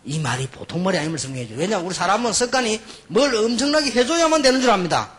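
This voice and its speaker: A middle-aged man preaching a sermon, telling stories and swinging between quiet asides and emphatic outbursts. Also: high-pitched, big pitch swings, very fast, slightly rough. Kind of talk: sermon with anecdotes.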